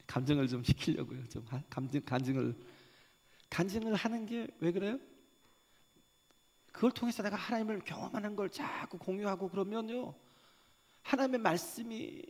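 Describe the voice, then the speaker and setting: A man's voice: sits high, husky, long reverb tail. A middle-aged male pastor delivering a sermon. He keeps asking the congregation questions and checking in with them. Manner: animated preaching with rhetorical questions and frequent "예?". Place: church sanctuary.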